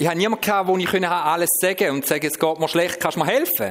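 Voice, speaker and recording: In an animated tone, a man with a Swiss accent speaks at a fairly quick pace and a high pitch. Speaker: former drug addict giving testimony. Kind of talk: testimony talk to church audience. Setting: stage with audience.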